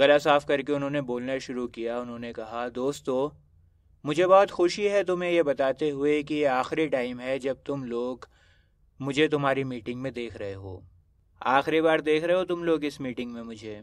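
A man speaks in a plain, everyday voice at a fairly high pitch. His pitch variation is ordinary, and the background is quiet. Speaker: English teacher. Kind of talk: tutorial. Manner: conversational, addressing students directly.

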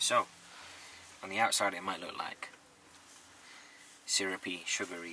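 Amid light background noise, a man's voice sounds dry with no echo. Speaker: wellbeing vlogger. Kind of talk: casual vlog chat. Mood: playful, joking. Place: car.

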